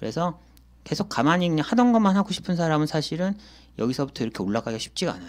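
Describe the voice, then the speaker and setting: Very wide pitch swings mark a man's high voice as he talks at a very fast pace. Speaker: finance professional giving career advice. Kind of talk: explainer talk over slides. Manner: halting, many fillers.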